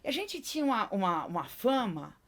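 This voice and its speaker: A woman's voice: on the high side, very animated, brisk. A woman, a podcast guest talking bluntly and emphatically in casual chat. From Brazil. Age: 60s.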